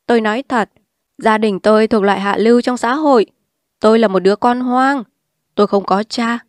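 A woman's voice: a little high, brisk, no room sound, clean studio sound, natural voice. A woman voicing a defiant, streetwise young woman who speaks bluntly and scornfully. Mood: bitter. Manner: blunt, scornful and sharp-tongued.

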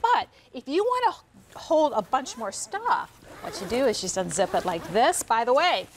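High-voiced woman, home shopping host style. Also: moderate pace, a little hiss or hum. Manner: animated, chatty, hands-on pitching. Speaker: home shopping product presenter. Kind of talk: live product demonstration in home shopping host manner. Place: large TV studio kitchen set.

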